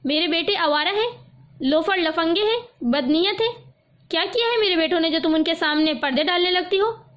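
Audiobook: angry older uncle shouting down his niece, voiced by a woman; slightly muffled audio. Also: extremely high pitch, expressive. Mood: enraged. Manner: shouting, scolding harshly. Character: stern furious older uncle, a man.

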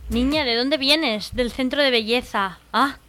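A woman telling jokes on a local radio comedy show with brisk delivery. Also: high-pitched, sharp tone, soft background music.

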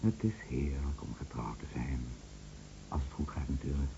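An actor playing a chatty, teasing, fretful bedridden husband in a radio play, stammering and musing with theatrical emphasis. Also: male voice, extremely low pitch, steady tone, a little slow, creaky, full character voice. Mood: wry, teasing. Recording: muffled old radio play recording, slight noise.

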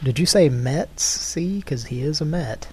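Slow, rambling jokey male host. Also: fairly high pitch, expressive, mellow, husky. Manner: rambling, jokey, laughs often. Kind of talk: casual chat on a prank-call show.

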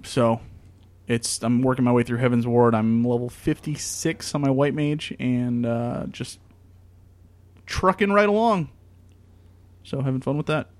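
A man's voice: medium pitch, measured pace, pauses often, no room sound. A man with a New Jersey accent hosting a gaming podcast, bantering, teasing and laughing with his co-hosts. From US East Coast. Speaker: podcast host. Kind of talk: casual chat.

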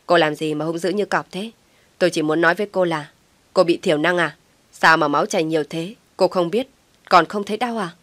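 A kind, steady young man, as a woman narrator plays him, speaking calmly with a touch of teasing. The voice sits low for a woman and is recorded dry and close. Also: fairly quick, no room sound, lightly acted. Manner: calm reassuring, a little teasing.

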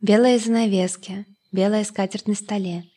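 A woman reading an audiobook in a calm, measured first-person narration. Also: mid-range voice, slightly rough.

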